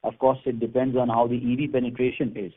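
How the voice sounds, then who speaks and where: Indian executive on a phone line. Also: male voice, mid-range voice, little pitch movement, fast talker. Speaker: company executive answering analysts. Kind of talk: earnings call answers. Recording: phone-like conference call line.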